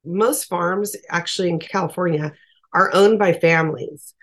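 A woman's voice: lowish voice, normal speed. A woman advocate for farm workers, speaking as an interview guest in an earnest, emphatic, plain-spoken way.

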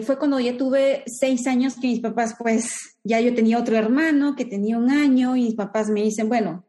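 A woman's voice: on the high side, dark tone. A Peruvian woman in her forties, a guest in an interview, talking reflectively with many restarts and fillers. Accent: Peruvian Spanish. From Peru. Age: 40s. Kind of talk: conversational interview.

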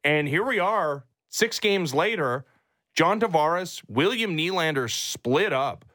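A man's voice: on the high side, lively intonation, slow, bright, forceful tone, no room sound. A man hosting sports talk radio, emphatic and opinionated, close on a studio mic. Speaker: sports radio morning show host. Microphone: close studio microphone.

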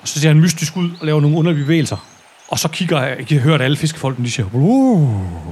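A man's voice: on the high side, a little mellow, breathy edge. A man narrating a tabletop game as game master, hesitant and full of fillers and restarts. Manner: hesitant, many fillers and restarts, laughs often.

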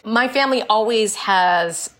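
Her voice is mid-range and a bit bright, at a measured pace. An Indian-born woman in her forties who grew up in Illinois, she's a guest author in a casual interview conversation, chatty, frank and explanatory, with light laughs.

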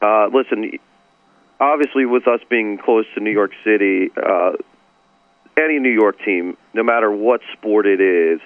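A hoarse man calls in over a thin, tinny phone line, his voice sitting low. He walks through betting lines at a measured pace, dropping plenty of "uh"s as he goes. The sound is dry and close. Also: no room sound. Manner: measured betting analysis with frequent "uh" fillers. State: hoarse, partly lost voice. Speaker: sportsbook director guest. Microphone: phone call.

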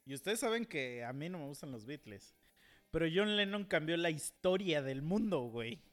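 A young Mexican man with a Mexican accent and a slightly high voice, chatting loosely on a podcast. He rambles through crude, profanity-laced stories with plenty of restarts, while faint guitar music plays in the background. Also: lively intonation, normal speed. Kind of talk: casual chat.

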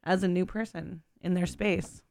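Giggly woman radio host, gravelly voice. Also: lowish voice, fairly even intonation, normal speed, a little mellow, no echo. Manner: giggly, chatty, trails off often. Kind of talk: casual radio chat. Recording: radio studio.

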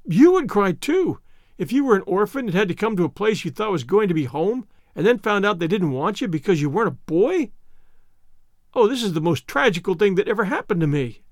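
A man reading aloud and voicing an eager, dramatic orphan girl of about eleven in a higher, breathless, gushing tone. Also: very animated, fairly quick, no room sound, clean studio sound. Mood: indignant.

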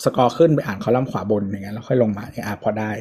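A man's voice: lowish voice, racing, warm tone, slightly rough. A man co-hosting a tech podcast, explaining things step by step in casual chat with many fillers. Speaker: podcast co-host.

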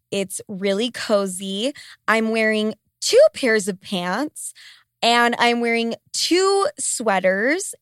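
Late 20s girl w a stuffy nose doing a solo podcast, higher voice, swears a lot, really dry close sound. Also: fairly bright tone, clear, resonant tone, no room sound. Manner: profane, comically complaining. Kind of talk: casual, candid monologue. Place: small basement home studio. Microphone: close studio microphone.

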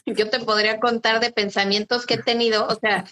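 A woman's voice: fairly high pitch, flat delivery, a little fast, sharp tone. A woman co-hosting a casual Bible discussion, often affirming and reading scripture aloud. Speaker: co-host of a Bible talk show.

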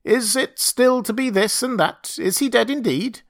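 A man's voice: extremely high pitch, measured pace, pitched above the performer's own voice. A man voicing a timid, awestricken monkey man in an audiobook story, questioning and fearful in manner. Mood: anxious, questioning.

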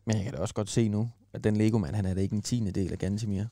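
A man's voice: lowish voice, fairly even intonation, mellow, dry recording, studio quality. A man as a podcast guest, talking in a confident, matter-of-fact way. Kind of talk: casual chat.

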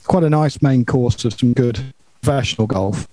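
A man with a slightly husky voice, co-hosting a podcast in laid-back, jokey casual chat. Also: medium pitch, moderate pace, warm tone, dry recording, poor audio. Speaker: podcast co-host.

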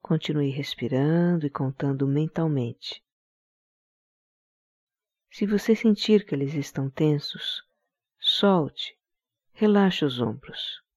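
A man leading a guided meditation in a calm, soothing manner, giving slow relaxation instructions. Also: a little high, no echo, clean studio sound.

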